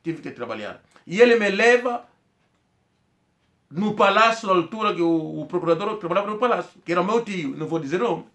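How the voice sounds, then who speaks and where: Man, slightly high voice, casual rambling storyteller who repeats himself and acts out what people said. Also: expressive, brisk, fairly bright tone. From Angola. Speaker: commentator telling a personal story.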